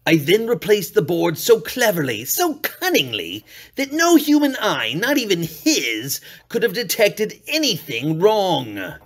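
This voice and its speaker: Man voicing a gravelly, gloating mad murderer. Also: high-pitched, huge pitch swings, unhurried, heavily acted. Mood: sly, gloating. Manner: theatrical, swings from hushed purring to shrieking. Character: unhinged male murderer, gloating and paranoid, classic villain. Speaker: reader. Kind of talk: dramatic storytelling reading.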